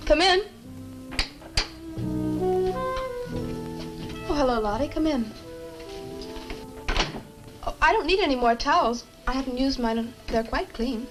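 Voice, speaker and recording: A woman's voice: high-pitched, normal speed, pauses often, close to an everyday voice. An actress playing an earnest, curious young woman student in a horror film, polite and articulate. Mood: friendly. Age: young adult. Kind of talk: 1960 horror film acting. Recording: old film soundtrack with music.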